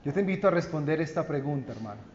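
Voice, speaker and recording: A man with a Colombian Spanish accent, a pastor delivering a sermon in slow, earnest preaching that swells and then drops to hushed endings. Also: on the high side, expressive, slight background noise. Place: church sanctuary. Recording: dull church recording with long reverb.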